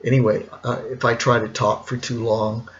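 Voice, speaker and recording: A middle-aged man with a gravelly, hoarse, cracking voice, talking casually and reflectively in a rambling personal vlog. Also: mid-range voice, flat delivery, highs cut off. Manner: rambling, reflective, slow with pauses. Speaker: vlogger.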